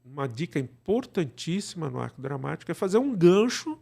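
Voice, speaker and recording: A man's voice: fairly high pitch, very animated, a little fast, vocal fry, darkish tone. A man with a Brazilian Portuguese accent, an interview guest chatting casually and giving advice in a colloquial, wandering way. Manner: colloquial, digressive, often seeking agreement with tags. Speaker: interview guest, radio drama creator.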